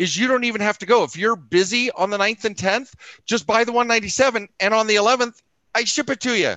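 In a quiet background with a dry sound and no echo, a man with an American accent uses a raised, projected, high-pitched voice with a bright, sharp tone at a very fast pace. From US South. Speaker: credit and business funding educator; business funding educator. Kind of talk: webinar sales pitch. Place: home room. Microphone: headset.

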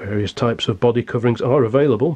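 A man speaks with a northern English accent. His pitch sits in the medium range. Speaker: car enthusiast video creator. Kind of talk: brochure review, with read-aloud brochure copy. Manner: measured, conversational, formal when reading brochure copy.

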